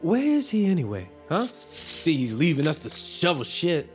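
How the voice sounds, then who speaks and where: An actor in an audio drama playing a young enslaved apprentice who asks curious, blunt questions. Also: male voice, fairly high pitch, huge pitch swings, moderate pace, faint music behind.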